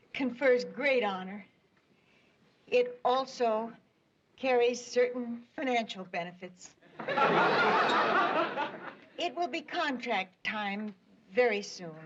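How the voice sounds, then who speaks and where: A woman's voice: fairly high pitch, recorded from a distance, dull audio, heavy background noise. An actress playing a sugary, scheming female host of a homemaking show. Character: sly, man-hungry TV homemaker host. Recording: off-mic old TV audio with loud crowd.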